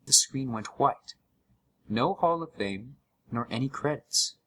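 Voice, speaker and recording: A man giving an expressive, scripted first-person narration of a horror story. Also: medium pitch, takes it slowly, low-quality recording.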